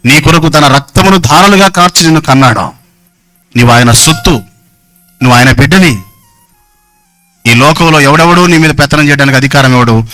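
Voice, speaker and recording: A man's voice: a little high, fairly bright tone. A man preaching a Sunday sermon in an emphatic, repetitive way, often putting questions to the congregation.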